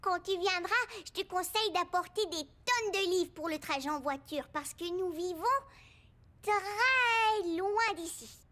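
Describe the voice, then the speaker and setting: A woman's voice: very high-pitched, measured pace, bright, forceful tone, a little hiss or hum, exaggerated voice. A woman voicing a curious, cheerful four-year-old boy in a cartoon, asking eager childlike questions. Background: music.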